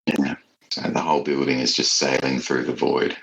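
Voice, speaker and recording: Male author guest, bottom-register pitch, creaky grain, reflective and halting conversational delivery. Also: level tone, fairly bright tone, poor audio. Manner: thoughtful, halting, searches for words. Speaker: horror author being interviewed. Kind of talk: casual, reflective interview talk.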